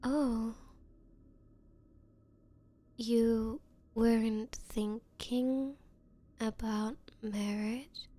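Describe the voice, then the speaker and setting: Woman acting a high-voiced, nervously clingy yandere girlfriend. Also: dark tone, no echo, full character voice. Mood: hurt, unsettled. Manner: halting, flustered, breathy hesitations. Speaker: roleplay voice performer. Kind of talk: anime-style ASMR audio roleplay.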